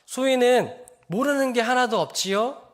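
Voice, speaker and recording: A man voicing his confident little five-year-old daughter in a high, wheedling child's voice. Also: lively intonation, unhurried. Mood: playful.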